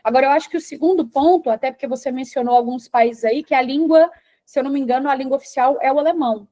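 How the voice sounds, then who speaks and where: High-voiced Brazilian woman explaining confidently. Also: fast, warm tone. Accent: Brazilian Portuguese. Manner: confident, didactic, builds points in lists. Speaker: English teacher and environmental engineer, guest. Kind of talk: explanatory interview answers.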